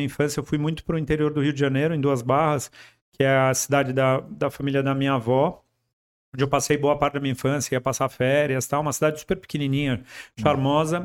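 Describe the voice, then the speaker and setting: A man at a very fast pace, fairly high in pitch, with fairly even intonation. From São Paulo city, Brazil. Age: 40s. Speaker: car enthusiast and project car builder. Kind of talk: casual interview chat.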